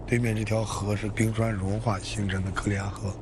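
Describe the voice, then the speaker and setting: A man's voice: on the low side, little pitch movement, a little fast, background noise. A man, an off-road desert driver, speaking earnestly and philosophically in an interview. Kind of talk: documentary interview. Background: loud background music.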